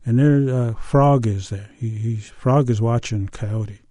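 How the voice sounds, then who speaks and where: An older man from the US Pacific Northwest telling a folk tale and talking about old recordings, in a halting, unhurried way with many pauses and fillers. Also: medium pitch, warm tone, dry recording. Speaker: storyteller. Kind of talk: oral storytelling and interview.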